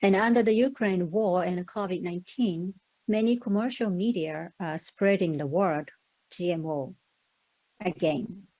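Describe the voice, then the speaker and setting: A woman with a Japanese accent speaks at medium pitch in a dark, mellow tone. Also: ordinary pitch variation, fairly slow pace. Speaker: author and conference speaker. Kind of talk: conference talk. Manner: halting with fillers.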